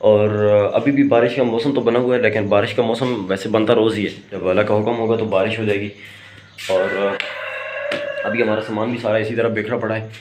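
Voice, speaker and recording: A hoarse man talks to camera in a loose, rambling vlog style, pausing on fillers and restarting sentences. His voice sits fairly low, and a faint hiss runs behind him. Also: level tone, a little mellow. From Pakistan. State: hoarse from a sore throat. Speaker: vlogger. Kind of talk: casual vlog talk to camera.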